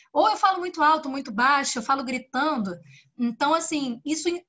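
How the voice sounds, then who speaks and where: A woman speech therapist with a Brazilian Portuguese accent gives a lively, chatty lecture and often asks rhetorical questions. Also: high voice. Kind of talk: symposium lecture.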